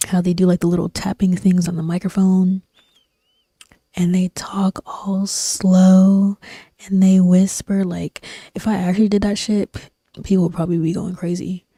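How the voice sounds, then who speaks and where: A young woman streams and chats in a low, soft-spoken voice that hovers near a whisper. Her tone is mellow and flat. She rambles along relaxed, full of fillers and slang, close on a dry desk mic. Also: moderate pace, no room sound. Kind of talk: casual chat while gaming. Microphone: desk microphone.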